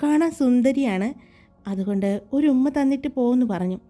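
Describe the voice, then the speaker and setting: A woman's voice: high voice, lively intonation, normal speed, mellow, faint music behind. Woman voicing a pouty, teasing young woman. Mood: sulky.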